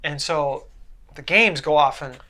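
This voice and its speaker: Bright-voiced male film show co-host. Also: fairly high pitch, moderate pace. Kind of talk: casual pop-culture commentary.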